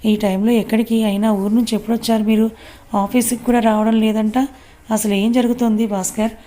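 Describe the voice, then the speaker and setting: A woman's voice: a little high, little pitch movement, a little fast, dark tone, close to an everyday voice. A woman voicing a nosy young woman who fires off demanding questions.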